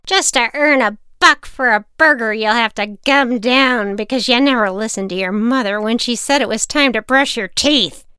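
A woman's voice: fairly high pitch, moderate pace, few pauses, pushed and bright, clear, resonant tone, no room sound, pitched above the performer's own voice. A woman voicing a harsh, scolding old woman who lectures a boy with scorn. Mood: scornful.

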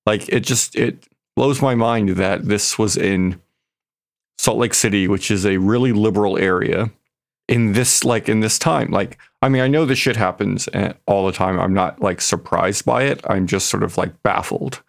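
A man co-hosting a podcast in casual, emphatic conversation with a gravelly, creaky voice. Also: fairly low pitch, moderate pace. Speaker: podcast co-host.

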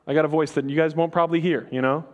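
Casual, quick-talking young male preacher. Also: fairly high pitch, steady tone, highs cut off. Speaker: pastor. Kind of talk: sermon.

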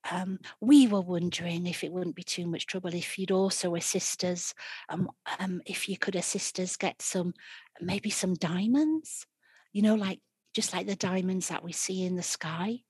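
A woman's voice: medium pitch, fairly even intonation, takes it slowly, few pauses, a little mellow, breathy edge, no echo. A woman storyteller voicing a greedy, scornful stepmother who scolds and then fawns in a sickly sweet voice. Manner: scolding, then fawning and sugary.

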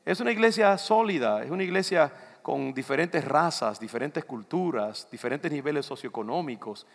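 An older Dominican pastor with a Dominican Spanish accent preaches a loose, conversational sermon in a church sanctuary, repeatedly turning to the congregation. His voice is a little high, with lively intonation and a moderate pace. The church hall gives the recording a long reverb.

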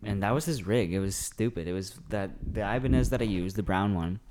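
A young man with a slightly low voice chats on a podcast. He keeps it loose and jokey, swears freely and laughs often. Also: fairly quick, very noisy. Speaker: podcast co-host, band member. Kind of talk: casual chat.

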